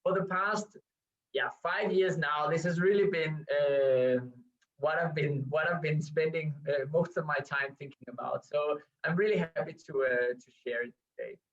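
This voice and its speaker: A man with a Danish accent, pitched a little higher than most men, talks through a research presentation in English. He pauses often on fillers and restarts his phrases. He sounds set back from the mic, and the video-call audio is dull and muffled. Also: distant mic. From Denmark. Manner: hesitant, with frequent um and uh fillers and restarts. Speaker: researcher giving a guest lecture. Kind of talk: academic presentation. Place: at home.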